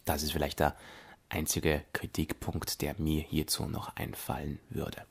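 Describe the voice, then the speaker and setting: A man with an Austrian accent giving a spoken review as a podcast reviewer, with emphatic, deliberate phrasing. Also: rumbling low, monotone, gravelly, husky. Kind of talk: spoken audio drama review.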